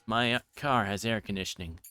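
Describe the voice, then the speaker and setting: A man's voice: on the low side, brisk, sharp tone, faint music behind. A man voicing an old detective from a visual novel, politely insistent and probing.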